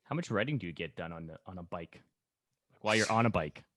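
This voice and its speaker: Man, slightly low pitch, rapid casual speech, podcast host, dry recording. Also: lively intonation, fairly bright tone, no room sound. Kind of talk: casual chat.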